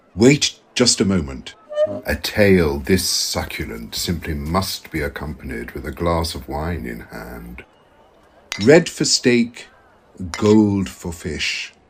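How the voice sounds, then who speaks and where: A raspy, put-on character voice from a man, very deep and low in pitch, with very wide pitch swings and a fairly slow pace. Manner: relishing, theatrical.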